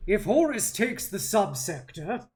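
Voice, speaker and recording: Woman voicing a grave, slow-speaking male warrior commander. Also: medium pitch, sing-song, a little mellow. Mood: grim, resolute. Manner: solemn, deliberate, declamatory. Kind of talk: dramatic novel read-aloud.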